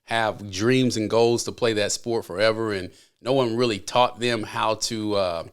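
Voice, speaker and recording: A man's voice: fairly low pitch, steady tone, a little slow, clear, resonant tone. A man hosting a podcast, chatting casually and animatedly, often repeating his phrases. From American South. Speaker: podcast host. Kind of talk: casual interview chat.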